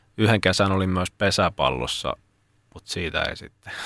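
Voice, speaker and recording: A man's very deep, low voice, bright and sharp in tone, at a moderate pace on a very clean recording with a silent background. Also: dry, close sound with no echo. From Lappeenranta, South Karelia. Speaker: sports commentator, podcast guest. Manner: hesitant, many repeated filler words.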